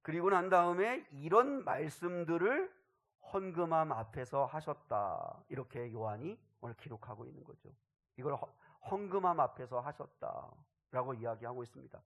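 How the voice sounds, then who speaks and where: Male pastor, fairly high voice, sermon delivery with loud swells and quiet drops. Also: animated, normal speed. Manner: swells loud on key phrases, then drops to a hush; acts out quoted voices in dialogue.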